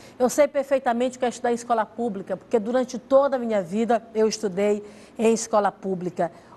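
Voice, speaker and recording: A woman talks at a fairly quick pace. Her tone is dark and mellow, with ordinary pitch variation. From Brazil, Maranhão. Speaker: politician, mayoral candidate. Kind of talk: political debate closing statement. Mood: earnest, persuasive. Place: studio. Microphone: lapel.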